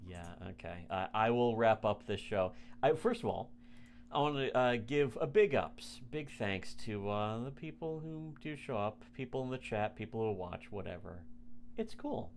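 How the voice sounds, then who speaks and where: A man's voice: on the low side, animated, moderate pace, a little hiss or hum. A man co-hosting a podcast in crude casual banter, rambling and profane with frequent restarts. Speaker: podcast co-host.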